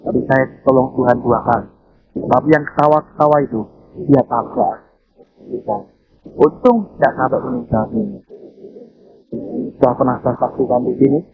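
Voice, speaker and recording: A man's voice: mid-range voice, moderate pace, pauses often, background noise. A man with an Indonesian accent preaching a sermon as a pastor, telling stories and acting out what people said. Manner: animated storytelling preacher, acts out quoted speech. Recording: dull lo-fi sermon audio.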